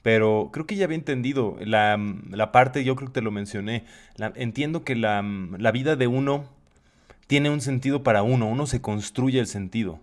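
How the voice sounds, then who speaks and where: Man, middle pitch, reflective explaining, conversational, restated phrases. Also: normal speed. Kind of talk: thoughtful conversational discussion.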